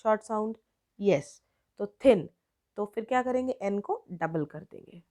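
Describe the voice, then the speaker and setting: An Indian-accented woman teaches a grammar lesson at an unhurried pace. She stretches out example words and explains each step patiently. Her voice is dark and mellow. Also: medium pitch, lively intonation. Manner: slow, drawn-out word-by-word explanation, mixing Hindi and English.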